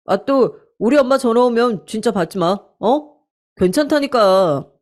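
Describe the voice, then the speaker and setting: A woman's voice: on the high side, animated, unhurried, darkish tone, pitched above the performer's own voice. Woman voicing a defensive young husband in a radio story; blustering, irritable. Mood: sweet-talking. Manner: defensive, irritable, brushing off accusations.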